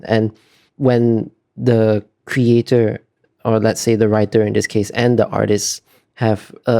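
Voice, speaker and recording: A man's voice: fairly low pitch, gravelly, dark tone. A man giving earnest, hesitant interview answers as an illustrator, often searching for his words.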